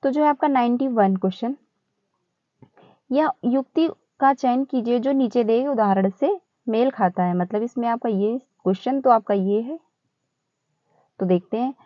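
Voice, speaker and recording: A woman talks through test questions like a friendly tutor, looping back over phrases with easy fillers. Her voice sits a little high, and the audio is dry and a bit muffled with no room sound. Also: moderate pace, no echo. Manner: chatty, repeats phrases with fillers. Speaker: exam prep teacher. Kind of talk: casual Hindi-English teaching explanation.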